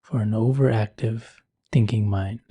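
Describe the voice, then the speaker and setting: A man leading a guided meditation in a soothing, measured and gentle manner. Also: on the low side, steady tone, slightly rough, no echo.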